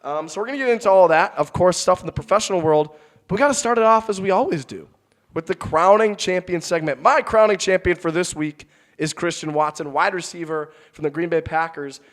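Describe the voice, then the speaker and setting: A young man hosting a college sports talk podcast, upbeat and loose, his voice a bit deeper from a cold. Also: fairly quick. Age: young adult. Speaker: host.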